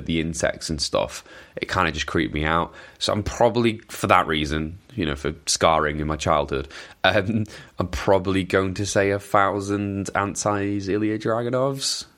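Very deep-voiced Welsh man chatting. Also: fairly bright tone. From Wales. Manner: chatty, self-deprecating, rambling with fillers. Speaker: podcast host answering listener questions. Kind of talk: casual chat.

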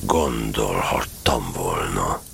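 An actor playing a gloomy, self-pitying old donkey in a radio play, muttering morosely and sarcastically in a gravelly, husky voice. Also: male voice, a bass voice, lively intonation, a bit bright, heavily acted. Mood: resigned, self-pitying.

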